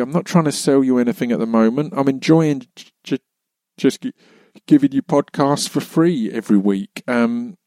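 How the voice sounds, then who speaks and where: A man's voice: mid-range voice, mellow, dry recording. A British man hosting a podcast, chatting casually in a rambling, self-deprecating way. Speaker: podcast host. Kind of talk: casual chat.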